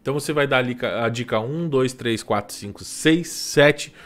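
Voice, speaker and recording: A man in his thirties with a Brazilian Portuguese accent, giving relaxed, chatty channel advice on a live stream and tossing in quick tag questions. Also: medium pitch. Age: 30s. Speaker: YouTube growth coach hosting a live stream.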